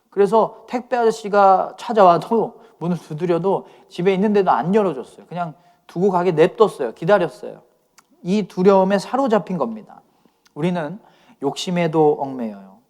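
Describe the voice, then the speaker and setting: A man's voice: high voice, darkish tone. A man pastor giving a conversational youth sermon, often asking his listeners questions.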